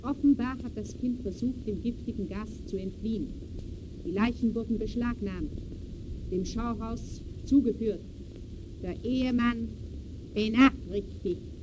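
An actress playing a declamatory, solemn herald of sensational headlines in a 1920s-style radio play. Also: female voice, a little high, measured pace, background noise, natural voice. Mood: grave, mournful. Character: dramatic woman herald chanting sensational newspaper headlines.

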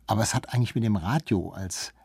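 A mature man with a fairly low, dark and mellow voice that has a husky edge. He talks off the cuff as an interview guest, explaining in hesitant phrases with emphatic swings. The sound is close and dry. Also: quick pace, dry recording. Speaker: interview guest, public radio cultural journalist. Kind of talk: spontaneous panel-style discussion.

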